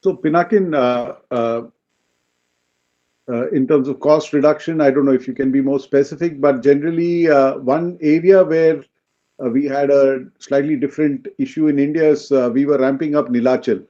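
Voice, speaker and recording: Male executive, mid-pitched and soft-toned, explaining business results haltingly on lo-fi call audio. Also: steady tone. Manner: halting, explanatory, checks with "right?". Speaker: company executive answering analysts. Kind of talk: unscripted business Q&A on an earnings call. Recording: dull, lo-fi conference call audio.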